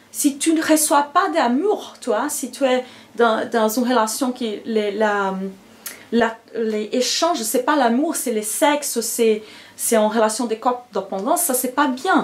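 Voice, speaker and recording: A woman with a non-native accent and a high pitch speaks at a very slow pace with ordinary pitch variation over noticeable background noise. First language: not French (speaking French). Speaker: lifestyle vlogger. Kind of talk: motivational vlog monologue. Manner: hesitant, many fillers.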